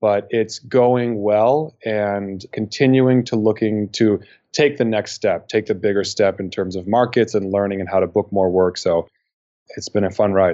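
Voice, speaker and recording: A man with an American accent talks at a moderate pace in an ordinary speaking voice. His pitch is fairly low, and his intonation is fairly even. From US Midwest, Wisconsin. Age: 20s. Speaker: actor. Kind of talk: interview.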